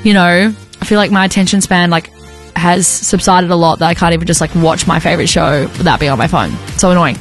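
A husky-voiced young Australian woman hosts an afternoon radio show, chatting in a loose, rambling, upbeat way. She speaks into a studio mic with soft music underneath. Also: lowish voice, fairly quick. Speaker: radio host. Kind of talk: casual on-air chat.

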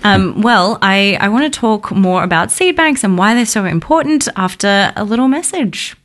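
A woman's voice: medium pitch, lively intonation, normal speed, fairly bright tone. A woman hosting a radio interview, asking questions in a friendly, encouraging way. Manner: friendly, encouraging, laughs easily. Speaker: radio host.

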